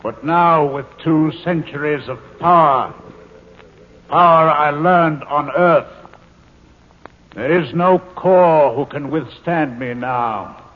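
Grave, slow-spoken alien ruler. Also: male voice, a little high, muffled recording. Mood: commanding. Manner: grave, deliberate, declamatory. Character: commanding alien man, centuries old, stern yet tender lover. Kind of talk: 1950s radio drama acting. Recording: hissy band-limited 1950s radio with reverb.

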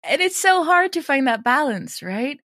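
A woman's voice: high voice, sing-song, normal speed, a bit bright, dry recording, clean studio sound. A woman talking casually as an interview guest about her creative work, animatedly voicing imagined quotes as she goes.

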